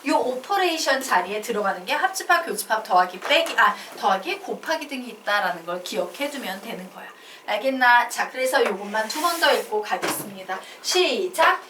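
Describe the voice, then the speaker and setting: A woman teaching a math lesson, who keeps asking questions and answering them herself in a lively way. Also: fairly high pitch, a little fast, few pauses. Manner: animated, asks and answers her own questions. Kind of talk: classroom lecture. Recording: echoey room from far off with noise.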